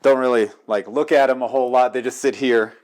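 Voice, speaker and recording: A man with a medium-pitched voice gives a casual tour of his gear at home. He talks in a loose, rambling, slangy way, like an enthusiast telling stories. The setting is a living room. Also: fairly even intonation, fairly quick, a little mellow. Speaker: home theater enthusiast giving a walkthrough. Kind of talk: casual gear walkthrough chat.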